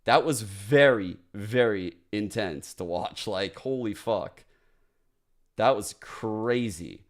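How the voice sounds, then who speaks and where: Male streamer in his thirties, low voice, excitable casual analyst, salty language. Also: slow pace. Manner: excitable, swears often, says "bro". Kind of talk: live analysis commentary.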